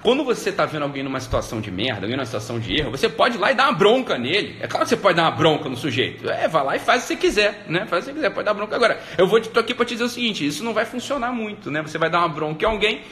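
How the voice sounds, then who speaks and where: Fast-talking man hosting a casual live stream. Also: high voice. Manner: rambling, repetitive "né?" tags, animated when retelling. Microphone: streaming mic.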